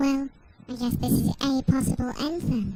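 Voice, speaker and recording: A woman puts on a high-pitched character voice, speaking at a moderate pace. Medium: audio drama. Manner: dry, deadpan.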